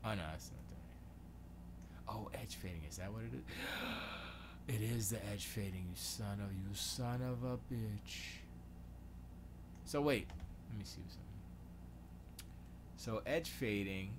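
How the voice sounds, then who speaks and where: Low-voiced man muttering while tinkering. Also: a little slow, long pauses, background noise. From Florida, USA. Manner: muttering to himself while tinkering, self-questioning, trailing off. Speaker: livestream host. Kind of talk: casual thinking-aloud livestream chat. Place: home studio.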